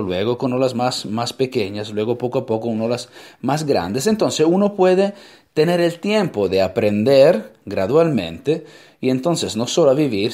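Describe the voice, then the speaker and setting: A man with a medium-pitched, darkish voice and an Italian accent, a native Italian speaker, gives an emphatic motivational talk packed with rhetorical questions.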